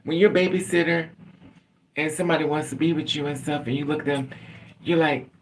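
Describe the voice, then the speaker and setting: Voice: mid-range voice, steady tone, a little fast, a little hiss or hum. A middle-aged livestream host chatting casually and candidly with viewers, laughing often and calling on them by name.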